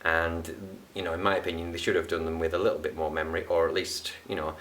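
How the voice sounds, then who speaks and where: Chatty Northern English man, low voice. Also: flat delivery, quick pace, a bit bright, a little hiss or hum. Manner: rambling, chatty, self-correcting. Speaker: tech reviewer. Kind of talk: casual product review.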